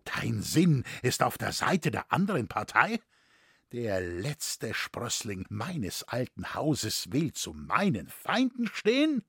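A man's voice: mid-range voice, huge pitch swings, slow pace, creaky, fairly bright tone, slightly rough, no echo, studio quality, pitched below the performer's own voice, exaggerated voice. A man reading an audiobook, voicing an older, proud and scornful nobleman with harsh outbursts. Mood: furious. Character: old nobleman, grim proud furious chamberlain.

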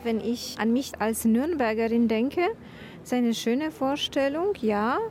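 A woman with a Polish accent softened by Franconian sounds, answering an interviewer. She speaks slowly and a little above the usual pitch, pausing to search for words. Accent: Polish with a Franconian touch. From Poland.

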